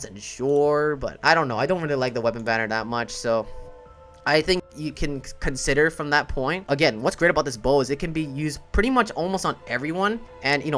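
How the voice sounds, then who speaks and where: A man's voice: on the high side, a bit bright. A man giving casual, opinionated game commentary in an informal way, thinking aloud as he goes. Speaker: gaming content creator and streamer. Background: background music.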